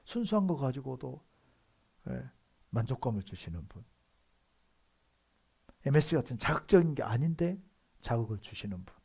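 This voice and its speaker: A male pastor with a Seoul accent preaching a sermon in a conversational way, moving between quiet asides and loud emphatic outbursts. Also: mid-range voice, sing-song, normal speed, gravelly, long pauses, breathy edge. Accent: Seoul Korean. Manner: conversational preaching with frequent affirming "yes" asides.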